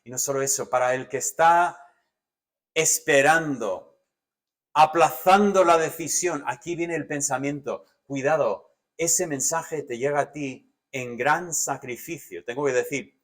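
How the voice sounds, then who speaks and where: Animated man preaching from Spain. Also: a little high, a little slow. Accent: Spanish from Spain. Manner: animated, varies loudness widely, drops to soft asides. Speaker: pastor. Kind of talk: sermon.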